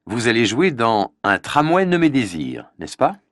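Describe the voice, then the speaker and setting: A man playing a radio show host in a scripted learner dialogue, with a cheerful, animated manner. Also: mid-range voice, measured pace, no room sound, studio quality.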